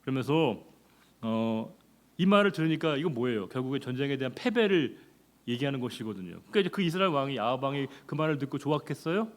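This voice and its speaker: A male pastor preaching an expository sermon in a conversational way, asking the congregation rhetorical questions and jumping in pitch and volume for emphasis. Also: animated, fast.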